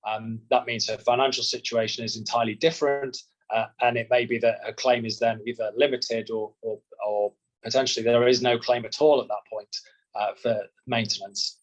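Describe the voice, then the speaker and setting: A man answering as a solicitor, measured and explanatory, often repeating words as he restarts. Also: mid-range voice, little pitch movement, dull audio. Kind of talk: expert interview answers.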